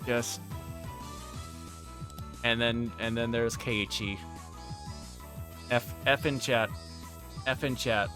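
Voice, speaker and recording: A man's voice: mid-range voice, fairly even intonation, slow pace, pauses often. Rambling male livestreamer over music. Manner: rambling, flustered, self-interrupting. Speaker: livestreamer playing a visual novel. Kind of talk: casual livestream chat and story read-aloud. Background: game music.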